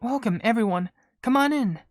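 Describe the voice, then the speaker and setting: Game character: courteous, earnest cookie lady perfumer played by a man, formal diction, lively pitch swings, music behind. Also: moderate pace, no echo. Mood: welcoming. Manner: polite, formal phrasing. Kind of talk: video game cutscene character voice.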